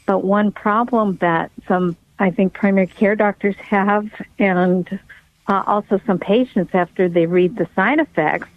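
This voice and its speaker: A woman's voice: mid-range voice, a little slow, no echo. Woman on a tinny dry phone line. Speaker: pediatric neurologist guest. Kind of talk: podcast interview.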